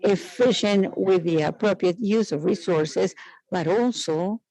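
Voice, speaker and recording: A man giving live interpreted conference speech in halting, piecemeal phrases with frequent hesitations. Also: sits high, dark tone, rough recording.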